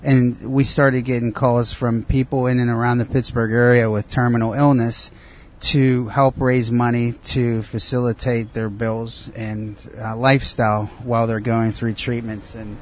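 A middle-aged man whose first language is Italian, telling his story earnestly with many pauses in a casual chat. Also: medium pitch, level tone. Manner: earnest, halting storytelling with fillers. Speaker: guest, police officer and sauce maker.

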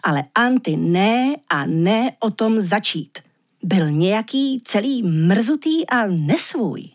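A woman narrating an audiobook fairy tale with lively, expressive storytelling. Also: medium pitch.

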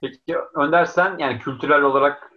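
A man's voice: on the high side, fairly even intonation, fairly quick, dull audio, crowd noise. A man hosting a casual chat, asking questions and giving frequent short acknowledgements. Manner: interviewing, frequent short backchannels. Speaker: host.

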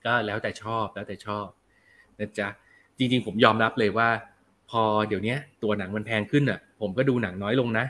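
A young adult man hosting a casual film review show, chatting in a relaxed, slangy way and answering viewer comments. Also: fairly low pitch, a little fast.

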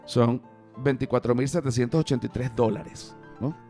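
A man's voice: medium pitch, moderate pace, warm tone, soft background music. Rambling man telling a story. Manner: rambling, profane, joking digressions. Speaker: podcast host. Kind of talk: casual storytelling monologue.

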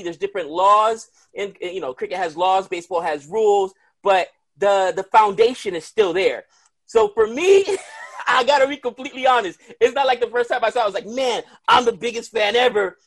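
A man from the Dominican Republic, a podcast guest on a video call, telling a story in animated, casual chat with loud outbursts. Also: sits high.

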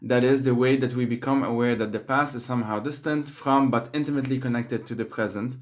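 A man's voice: mid-range voice, fairly even intonation, fairly quick. A man hosting an interview podcast, introducing the topic and asking a friendly opening question. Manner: friendly, reads a quote aloud. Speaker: podcast host.

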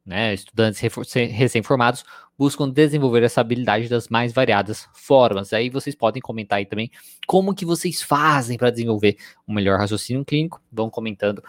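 His pace is brisk and his pitch medium, with no room sound in the recording. The speaker is a Brazilian-accented psychologist teaching a live class online, chatting conversationally and regularly dropping in tag questions.

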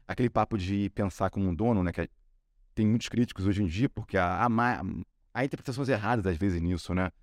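A man from Rio de Janeiro speaks with a Carioca accent, rattling through his story at a quick clip. His voice sits a little low, and he keeps tossing in little tag questions. The sound is dry and close. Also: no echo. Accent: Carioca Brazilian Portuguese. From Rio de Janeiro, Brazil. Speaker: guest, sales executive. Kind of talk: casual podcast interview.

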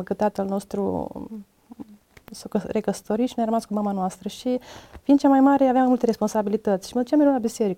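A woman's voice: fairly high pitch, mellow. A middle-aged woman, a podcast guest, candidly recounting her own past in casual conversation, reflective in tone. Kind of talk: personal testimony in casual conversation.

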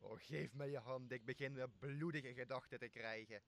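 A pompous drunken pretender to a throne, played by a man in a radio play. He speaks at middling pitch, bossy and threatening. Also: fairly even intonation, moderate pace, a bit bright, a little hiss or hum, close to an everyday voice. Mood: commanding. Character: drunken, bossy would-be king, threatening and self-important. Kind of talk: radio play acting of Shakespeare.

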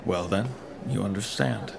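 A man playing a calm, principled pulp superhero in a radio drama, measured and gently wry. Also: fairly low pitch, gravelly, noisy background. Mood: reflective. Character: calm, principled male pulp superhero, Buddhist crime fighter.

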